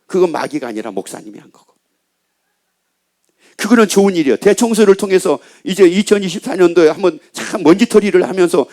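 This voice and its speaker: Man, pastor, Sunday sermon, high voice, rhetorical questions, repeated phrases. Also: darkish tone. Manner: asks the congregation questions and answers them, repeats phrases. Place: church sanctuary.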